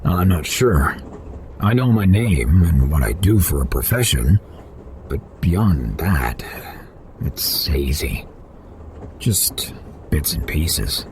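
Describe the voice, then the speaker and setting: Deep-voiced terse alien mercenary. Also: male voice, very animated, takes it slowly, long pauses, a little mellow, a little hiss or hum, heavily acted. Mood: guarded. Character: gruff alien fish-folk mercenary, proud, hazy memory. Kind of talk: audio drama acting.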